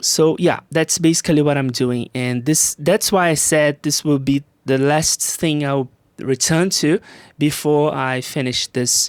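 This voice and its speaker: The speaker has a non-native accent and keeps a fairly slow pace. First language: not English. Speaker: technical sound designer. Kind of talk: devlog screen walkthrough. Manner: halting, many fillers.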